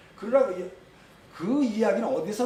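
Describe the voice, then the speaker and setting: Audible room echo surrounds a man whose extremely high voice moves in very wide pitch swings. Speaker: Bible teacher. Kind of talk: sermon.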